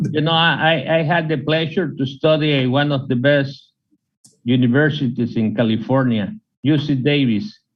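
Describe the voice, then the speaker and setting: There is audible room echo as a man with an American accent speaks with ordinary pitch variation. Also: fairly high pitch for a man, moderate pace, very even loudness. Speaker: government minister. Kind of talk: panel discussion remarks.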